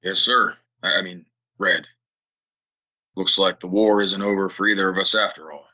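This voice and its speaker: A male actor plays a troubled veteran drifter in a Western audio play. The voice is very deep and raspy, with a hard forceful edge, yet the manner is earnest, halting and polite. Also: steady tone, lo-fi sound, full character voice. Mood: earnest, deferential. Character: troubled, soft-spoken male stranger, war veteran in Western town. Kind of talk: Western audio drama acting.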